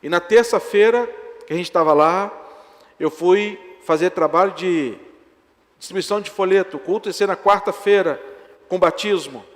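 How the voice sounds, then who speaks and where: A man preaching from the pulpit with a slightly high voice and an animated storytelling manner. He slips into the voices of the people in his story. The sound carries the long ring of a church hall. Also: moderate pace. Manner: animated, acts out dialogue in his stories. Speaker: pastor. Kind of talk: sermon with storytelling. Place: church sanctuary.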